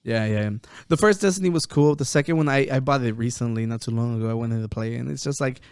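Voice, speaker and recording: A young man co-hosting a casual podcast, with a smooth, clear voice at a middling pitch. He rambles with lots of fillers and restarts. The sound is dry and close. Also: fast, no echo. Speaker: podcast co-host. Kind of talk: casual chat.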